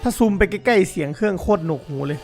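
A man giving excited game commentary to his viewers, exclaiming and laughing often. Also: high voice, fast, over music. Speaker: gaming YouTuber.

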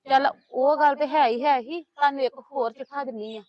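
A woman's voice: sits high, fairly even intonation, brisk, natural voice. A woman playing a talkative, complaining housewife in a family web drama. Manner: complaining, gossiping, soothing. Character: talkative scheming woman, middle-aged housewife. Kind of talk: web series acting. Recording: dull lo-fi sound.

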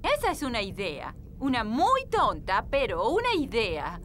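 A woman's voice: on the high side, huge pitch swings, unhurried, a bit bright, slight background noise, full character voice. A woman with a Latin American accent voicing a prim, bossy fairy nanny in a dry, sarcastic cartoon style. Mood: brisk. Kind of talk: animated cartoon dub.

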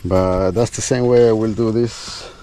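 Male outdoor vlogger, unhurried and fairly low, casual working commentary in loose fragments, faint outdoor noise behind. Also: steady tone, mellow. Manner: thinking aloud in short, trailing phrases. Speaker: outdoor bushcraft video host. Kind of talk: casual talk while working. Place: outdoors at a building site.

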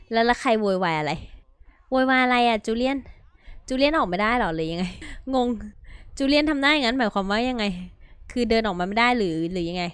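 A woman hosting a casual gameplay video, chatty and playful, talking straight to her viewers with quick exclamations. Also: a little high, clean tone, no echo. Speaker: gaming video host. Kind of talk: casual let's-play commentary.

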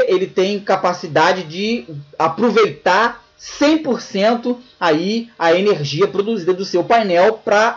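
A man's voice: sits high, dull audio. A Brazilian man with a Brazilian Portuguese accent giving a casual slide lecture, often checking in with "tá bom?" and "né". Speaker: presenter of an online lecture.

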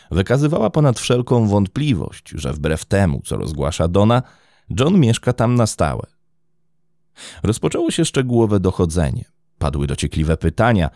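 Man, deep voice, lively pitch, dramatic scripted narration, dry booth. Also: no room sound. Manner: measured, dramatic storytelling. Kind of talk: scripted true-crime narration.

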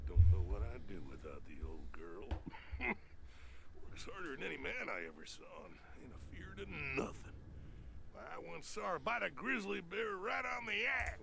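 An actor playing a folksy, excitable old prospector in a video game, with a rustic drawl and a gravelly, cackling voice. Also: male voice, a little high. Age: older. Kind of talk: video game character dialogue. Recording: noisy game audio with ambience.

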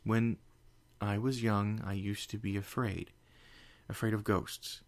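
A man voicing a panicky young female unicorn scholar in a fan story reading, raising his voice high. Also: flat delivery, takes it slowly. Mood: confessional. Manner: frantic, high-pitched and breathless.

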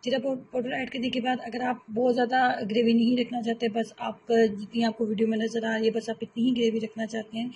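Woman, cooking host, recipe voice-over, flat even delivery, mellow tone, faint background hiss. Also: fairly high pitch, fast talker, few pauses. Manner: steady, explanatory, repeats steps.

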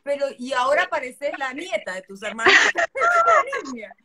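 A woman's voice: sits high, crowd noise. A woman in her forties with an Argentine accent, hosting a casual live chat from home in a teasing, laughing way. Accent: Argentine Spanish. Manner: animated, teasing, quick to laugh. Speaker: host. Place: indoor room at home. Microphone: phone front camera.

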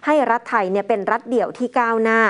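A woman news anchor reading a political report in a steady, formal manner. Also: on the high side, fast.

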